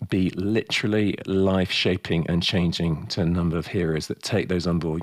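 Talking at a moderate pace, a man speaks with a British accent. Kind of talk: casual interview chat. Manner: animated.

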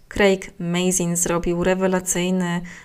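This woman talks at a fairly slow pace in a medium pitch. It is a normal speaking voice, recorded very cleanly against a silent background. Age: 30s. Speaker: film and TV journalist, podcast host. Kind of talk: solo podcast monologue, reviews. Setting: at home, dog nearby.

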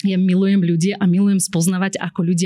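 A woman talks at a very fast pace in a medium-pitched voice. Her intonation is flat and monotone. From Ukraine. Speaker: social media and personal branding expert. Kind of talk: interview.

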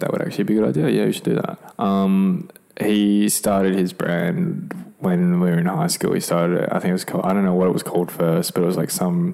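Over noticeable background noise, someone with an Australian accent talks at a fairly quick pace with hardly any pauses. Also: man. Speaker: photographer and videographer. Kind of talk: casual chat.

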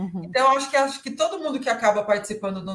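A woman with a high voice speaks with lively intonation over noticeable background noise. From Brazil. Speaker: podcast co-host, business partner. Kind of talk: casual chat.

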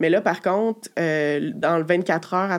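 A plain, everyday voice with fairly even intonation. The recording is very clean, with a silent background. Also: woman. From Quebec City, Quebec. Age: 30s. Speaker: guest sharing personal health experience. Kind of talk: casual interview testimony.

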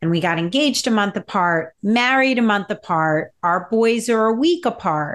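A woman with a normal speaking voice, fairly high pitch and lively intonation, at a moderate pace with hardly any pauses and very even loudness, over a quiet background. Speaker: divorce expert and co-parent. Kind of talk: interview chat giving advice.

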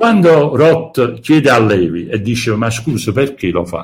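The man's voice is somewhat breathy, with ordinary pitch variation. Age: 60s. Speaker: sociologist and writer. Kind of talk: interview. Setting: live stream.

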